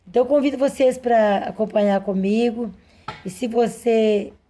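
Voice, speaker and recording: A woman's dark, mellow, warm tone, fairly slow with fairly even intonation, on a very clean recording with a silent background. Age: 60s. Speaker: Bible teacher. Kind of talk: Bible reading with commentary. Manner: warm, conversational.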